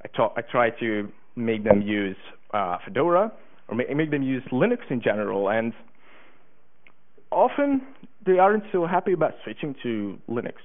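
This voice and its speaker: A man's voice: mid-range voice, big pitch swings, normal speed. An eighteen-year-old man from Hungary giving a conference talk, eager, with many fillers and restarts. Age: teens. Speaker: conference speaker. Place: conference room. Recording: tinny phone-like conference recording.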